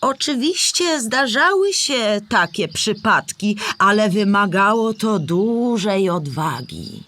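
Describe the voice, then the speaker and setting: Husky, kindly old storyteller animal. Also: female voice, mid-range voice, sing-song, slow pace, hardly any pauses, fairly bright tone, no echo, exaggerated voice. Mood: patient, explaining. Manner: patient, clear explaining in simple words. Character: kindly old female storybook animal, born 1918, patient history teller. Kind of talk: animated children's radio play, scripted explaining.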